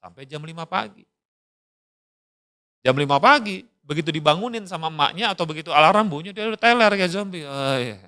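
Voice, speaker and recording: A middle-aged man preaches to a youth crowd in a loose, slangy way, often slipping into the quoted voices of teenagers. His voice sits high and swings freely between bursts of volume and soft asides. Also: a little fast. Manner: lively and casual, slangy, acts out quoted voices. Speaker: youth pastor. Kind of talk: sermon.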